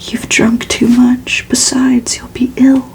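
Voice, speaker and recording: A woman's voice: sits high, little pitch movement, slow pace, vocal fry, a little mellow, a little hiss or hum, voice pushed up, heavily acted. A woman voicing a domineering, impatient male vampire mentor from a gothic novel in a curt, commanding whisper. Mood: stern warning.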